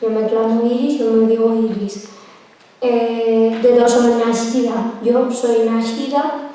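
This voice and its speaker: A woman's voice: a little high, little pitch movement, slow pace, warm tone. A woman in her twenties from Aragon, giving a chatty talk and mini language lesson with many fillers and restarts. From Aragon, Spain. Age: 20s. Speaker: guest speaker teaching a minority language. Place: lecture room. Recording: echoey hall, distant from the mic.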